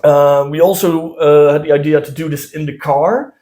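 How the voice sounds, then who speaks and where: A man from the southern Netherlands, a Dutch native speaker, co-hosts a casual podcast chat. His voice sits a little high for a man. He talks haltingly, with many filler sounds and restarts. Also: fairly even intonation, warm tone. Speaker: podcast co-host.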